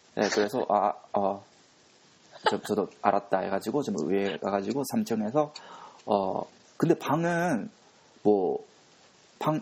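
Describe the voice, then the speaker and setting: In a Japanese accent, a man talks at a very slow pace, his pitch swinging very widely. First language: Japanese (speaking Korean). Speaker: teacher at a school in China. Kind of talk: casual chat. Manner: animated.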